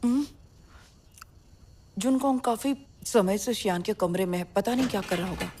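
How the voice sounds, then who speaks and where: A woman dubbing a middle-aged mother who speaks softly to her husband and turns sharp when she scolds. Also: mid-range voice, moderate pace, a little hiss or hum, lightly acted. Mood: calm. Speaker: dubbing voice actor. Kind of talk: Hindi dub of a drama series.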